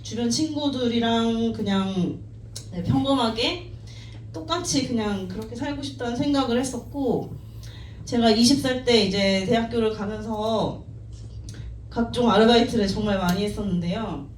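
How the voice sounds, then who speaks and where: A woman in her thirties gives a personal talk, modest and quick to laugh at herself. Her voice sits a little high. She sounds distant from the mic, in a roomy, echoing space. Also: darkish tone. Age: 30s. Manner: modest, self-deprecating, laughs often. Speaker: team member giving a talk at a company meeting. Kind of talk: personal story talk to an audience. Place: meeting room. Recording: echoey room, distant mic, faint noise.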